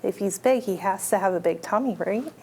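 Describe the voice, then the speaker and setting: With a medium-pitched voice and a slightly fast pace, a librarian leads a children's storytime, reading picture books aloud and asking the little ones questions in simple language. There's background noise.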